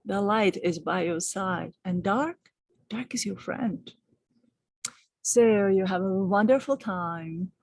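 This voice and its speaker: A middle-aged woman giving gentle, affectionate spiritual guidance in a vlog. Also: medium pitch, slow, no echo, clean studio sound. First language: Czech. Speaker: spiritual teacher and author.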